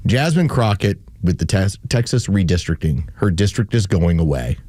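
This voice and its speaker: A man's voice: sits low, animated, normal speed, darkish tone, no room sound. A man hosting political talk radio, giving emphatic commentary with a sarcastic edge and mock quotes. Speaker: radio show host.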